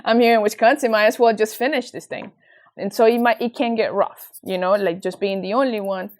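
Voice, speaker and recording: A young woman from Venezuela with a Venezuelan Spanish accent, talking as an interview guest with earnest, animated storytelling. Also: medium pitch, fairly quick. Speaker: guest, nonprofit founder. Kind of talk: casual interview chat.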